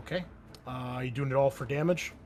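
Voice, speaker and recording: A man's voice: medium pitch, quick pace, darkish tone, faint music behind. A man narrating a tabletop roleplaying game as game master, casually explaining the action and checking in with players.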